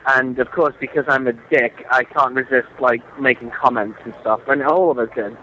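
A man with a British accent calling in to a podcast from a theme park, telling crude stories with a deadpan delivery. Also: medium pitch, moderate pace, muffled recording, a little hiss or hum. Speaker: caller reporting from a theme park. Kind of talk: casual phone chat.

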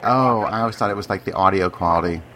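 A man's voice: deep voice, quick pace, pushed and bright. Laughing man host on a call-in chat. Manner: chatty, laughs easily at the jokes. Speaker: podcast host.

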